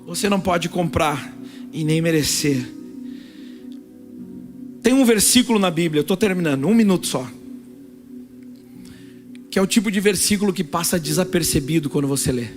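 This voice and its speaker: Male pastor, high-pitched, storytelling sermon delivery, faint music behind. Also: moderate pace, long pauses. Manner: storytelling, shifts from loud emphatic passages to hushed intimate ones. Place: church service on a theater stage.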